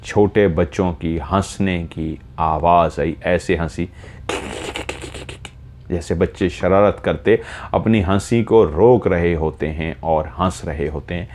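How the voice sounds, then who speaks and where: A man narrating a horror story in the first person, slow and measured, retelling events step by step. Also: sits low, a little mellow.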